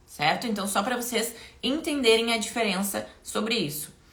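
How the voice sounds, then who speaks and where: A woman talks in an animated tone at a moderate pace, with ordinary pitch variation. Noticeable background noise and audible room echo are present. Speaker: aesthetician and cosmetology educator. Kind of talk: live stream talk to followers. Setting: live online broadcast.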